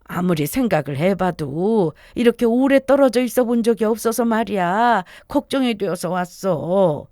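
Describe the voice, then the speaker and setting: A woman voicing a clingy older mother-in-law who speaks calmly and slowly. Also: mid-range voice, no room sound, clean studio sound, close to an everyday voice. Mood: soft.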